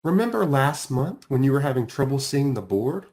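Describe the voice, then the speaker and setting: A man voices a kindly male school counselor from a children's storybook. Patient and reassuring, he explains things gently with varied, animated intonation in a mid-range voice at a moderate pace.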